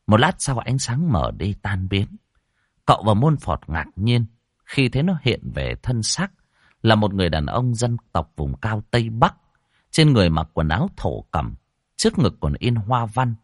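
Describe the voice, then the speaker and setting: A man tells a ghost story with dramatic flair. His voice is on the low side but rises and falls vividly. The recording is close and dry. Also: slightly rough, no room sound. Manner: animated, dramatic narration. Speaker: narrator. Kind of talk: storytelling narration of a ghost tale.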